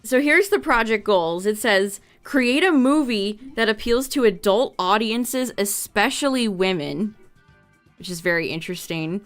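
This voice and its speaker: Young woman streamer, chatty and casual, voice fraying from overuse, smooth clear tone underneath. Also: medium pitch, lively intonation, a little slow, soft background music. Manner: chatty, reading out notes with asides. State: losing her voice. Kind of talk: casual livestream chat to viewers.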